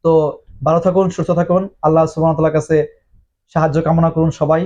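Man, persuasive talking-head commentator, quick delivery, dull lo-fi sound. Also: on the high side, flat delivery, dark tone. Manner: earnest, persuasive, asks the viewer rhetorical questions; mixes in English words. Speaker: religious commentator. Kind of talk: direct-to-camera opinion talk.

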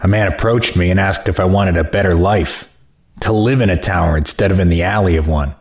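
A gruff homeless rival with a very deep voice. He is blunt, crude and hostile, a character in a horror audio drama. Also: brisk. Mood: gruff, suspicious. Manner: blunt, foul-mouthed.

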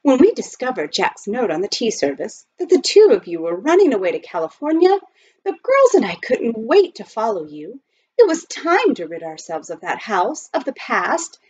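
A woman's voice: on the high side, wildly swooping pitch, moderate pace, a little mellow, slightly rough, exaggerated voice, low-quality recording. A woman voicing a genteel, joyful and teasing aunt with exclamatory manners in a storybook reading. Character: genteel adult aunt, joyful, teasing, firm-minded Boston lady.

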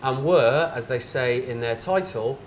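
A man's voice: mid-range voice, measured pace, a little hiss or hum. A man in his thirties hosting a casual chat in a restaurant, reading reviews aloud with dramatic emphasis. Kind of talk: casual interview. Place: restaurant dining room. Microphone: lapel mic.

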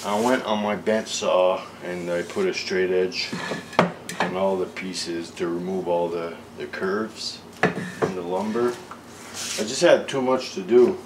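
Clear background noise and workshop ambience surround this informal, folksy tutorial from a woodworking channel host in his indoor garage workshop at home. His voice is low and steady, and he talks at a measured pace while he works.

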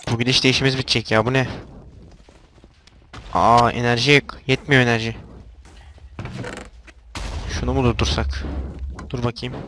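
A man's voice: mid-range voice, little pitch movement, normal speed, long pauses, bright, forceful tone, slight background noise. A young man giving casual gameplay commentary, explaining machines and getting exasperated when they fail. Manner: exasperated, talks to game machines, frequent outbursts. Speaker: gameplay video host.

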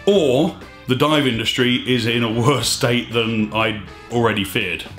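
Speaking a little slowly, a scuba diving host vents to camera in a slightly hoarse, mid-range, fairly bright voice, emphatic and exasperated with hand gestures. The opinionated vlog is shot in a small indoor studio with echo and faint music.

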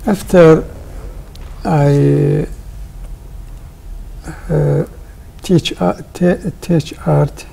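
An older man speaks very slowly in broken English, stopping often to find words. His voice is gravelly, dark and husky. He is miked on a lapel in a studio. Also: on the high side, rough recording. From Iraq. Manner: halting non-native English with frequent pauses. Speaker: guest artist. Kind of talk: interview answers. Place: television studio.

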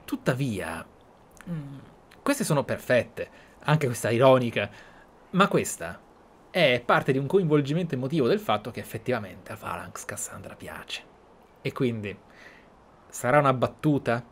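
A man's voice: medium pitch, animated, moderate pace, slightly rough. A man giving casual, musing commentary as he plays a game, thinking aloud. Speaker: gameplay streamer.

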